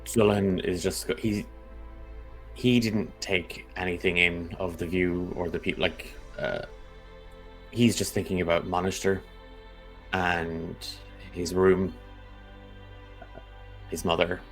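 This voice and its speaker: A man playing in a tabletop game who describes his character in a halting, thoughtful way. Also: low-pitched, little pitch movement, soft background music, low-quality recording. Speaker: player.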